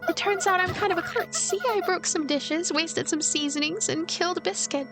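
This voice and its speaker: A woman voicing a gentle, giggly, self-effacing ghost girl in a visual novel, soft-hearted and meekly accepting. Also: very high voice, normal speed, music in the background, pitched above the performer's own voice. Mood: sheepish.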